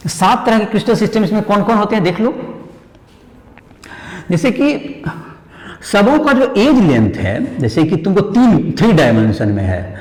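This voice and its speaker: Animated male chemistry tutor, echoey room. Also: high voice, unhurried, pauses often. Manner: repetitive rhetorical questions to students, Hindi-English mix. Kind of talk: classroom lecture. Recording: echoey room with long reverb.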